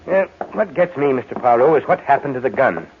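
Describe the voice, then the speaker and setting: An actor playing a blunt, impatient ship's captain who speaks in brisk exclamations in an old-time radio mystery. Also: male voice, mid-range voice, big pitch swings, background noise. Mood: baffled, brisk. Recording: dull old radio recording.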